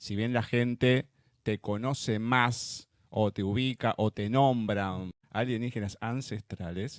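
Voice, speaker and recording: A man with a plain, everyday voice, medium pitch and ordinary pitch variation, in a dry, close sound with no echo. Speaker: interviewer. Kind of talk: interview question.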